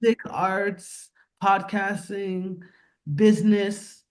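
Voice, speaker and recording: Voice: medium pitch, level tone, drawn-out words. Upbeat podcast host in their forties. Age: 40s. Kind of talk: casual interview chat.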